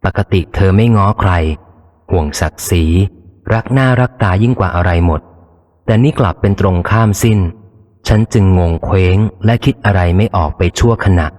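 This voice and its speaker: A man reading a first-person Buddhist memoir aloud in a calm, measured way. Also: lowish voice. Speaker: audiobook reader. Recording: reverberant room with long echo.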